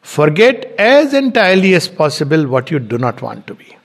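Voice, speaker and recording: A man's voice: fairly high pitch, wildly swooping pitch, moderate pace. A middle-aged man giving an earnest spiritual talk, repeating words for stress. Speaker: spiritual lecturer.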